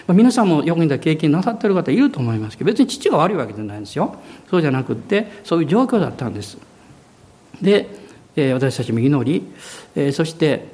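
A middle-aged man preaching a sermon and telling a personal story, acting out quoted voices, with many fillers and pauses. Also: fairly high pitch, mellow. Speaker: pastor.

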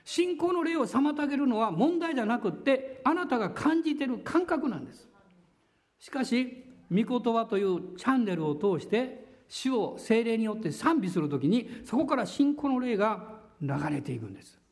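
A man's voice: extremely high pitch, sing-song, normal speed, a little mellow. A man preaching a sermon to his congregation, earnest and self-deprecating, with firm, emphatic declarations. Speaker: pastor. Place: church service before a congregation.

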